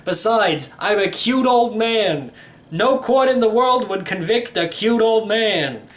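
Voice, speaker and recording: A man's voice: high-pitched, expressive, takes it slowly, a bit bright, pitched above the performer's own voice, heavily acted. A man voicing a cheerful, reckless, eccentric old uncle from a storybook in a theatrical, breezy manner. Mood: gleefully dismissive. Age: older. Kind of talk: storybook character voice.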